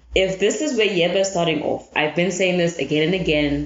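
Against noticeable background noise, a woman speaks at a moderate pace in a fairly low pitch. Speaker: podcast co-host. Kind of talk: casual chat.

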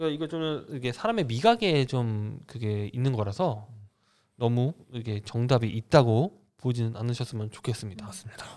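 On a very clean recording with a silent background, a man talks at a fairly quick pace and medium pitch, with big swings in loudness. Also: ordinary pitch variation. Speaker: podcast host of a coffee chat show. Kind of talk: casual chat. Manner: calm, gentle pace.

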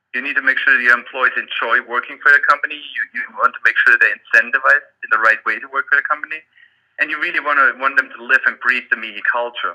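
Talking at a very fast pace with a German accent, a man comes through with a dry, close sound and no echo. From Germany. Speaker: retail marketing executive. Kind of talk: interview. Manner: halting, many fillers and repeated words.

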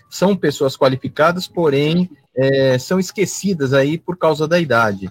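Somewhat breathy and with lively intonation, a man speaks at a fairly slow pace in a dry, close sound with no echo. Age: 50s. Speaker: businessman, port complex executive. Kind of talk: radio panel discussion.

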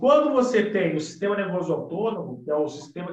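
A man speaks in a high voice. Room echo is audible. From Brazil, São Paulo. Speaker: psychotherapist and hypnosis teacher. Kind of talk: live webinar lecture and demonstration.

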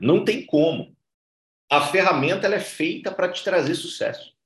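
A man speaks at a moderate pace in an animated tone, his voice pitched high. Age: 30s. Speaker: network marketing trainer. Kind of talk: live stream motivational talk. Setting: live stream with chat.

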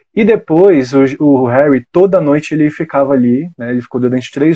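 In a plain, everyday voice, a man speaks at a moderate pace with fairly high pitch and ordinary pitch variation. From Brazil, Brasília. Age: 20s. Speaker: religious community member, podcast host. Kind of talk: casual chat. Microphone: connection freezing.

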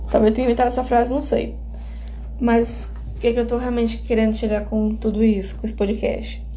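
Noticeable background noise and audible room echo around a woman's fairly quick speech. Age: 20s. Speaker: podcast host. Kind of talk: casual solo monologue. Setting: at home. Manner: halting, many fillers.

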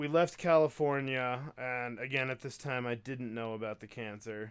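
A man with an ordinary speaking voice at a fairly slow pace. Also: very clean recording, silent background. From Idaho, New Plymouth. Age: 30s. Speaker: stand-up comedian. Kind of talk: casual chat.

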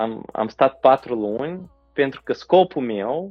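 Pitched at a medium level, a man speaks with lively intonation. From Moldova, Orhei. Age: 30s. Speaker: entrepreneur. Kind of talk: interview on a live stream.

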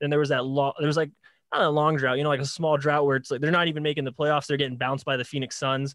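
Very fast and monotone, a man speaks with flat intonation at a fairly high pitch. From military kid, born in the Philippines, raised in the US. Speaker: sports podcast host. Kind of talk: casual interview.

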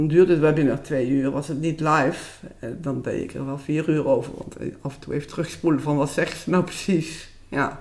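This female speaker's pitch sits very deep and low, her intonation fairly even and her tempo moderate. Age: 60s. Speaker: retired family doctor. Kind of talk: casual interview.

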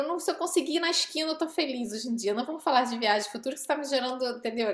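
Noticeable background noise sits behind a woman speaking very fast. Her voice is high-pitched, with lively intonation. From Brazil, Rio de Janeiro. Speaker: advertising professional. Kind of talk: casual chat.

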